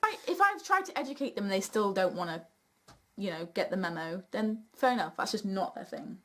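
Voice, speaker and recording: A woman's voice: mid-range voice, fairly quick. A young British woman hosting a casual question-and-answer chat, blunt and opinionated, with a storytelling streak. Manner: blunt, sweary, animated storytelling. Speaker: video host reading viewer questions.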